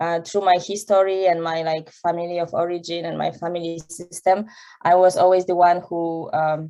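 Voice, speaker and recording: Against a quiet background, a woman with a Polish accent speaks in a fairly low pitch with a dark, mellow tone and monotone, flat intonation. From Poland. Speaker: workshop facilitator. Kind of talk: online interview. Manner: halting.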